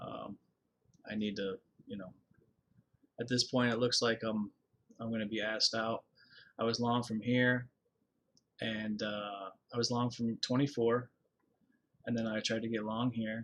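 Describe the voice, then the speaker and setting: A man speaks at a medium pitch with monotone, flat intonation. His moderate pace is broken by long, frequent pauses. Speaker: futures trader streaming live trades. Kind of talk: live trading commentary. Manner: quiet.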